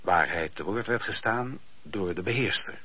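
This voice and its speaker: A man narrating a radio drama as a scripted, literary story in a measured storytelling manner. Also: low voice, lively intonation, bright, forceful tone, husky. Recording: dull radio recording.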